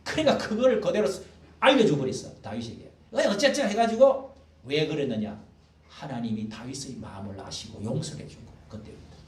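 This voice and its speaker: Older male pastor preaching, folksy and animated, fairly high voice that swings widely, recorded from a distance in an echoey hall. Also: a little fast. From South Korea. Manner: animated, folksy, acts out quotes. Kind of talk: expository sermon. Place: church hall. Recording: echoey room, mic at a distance.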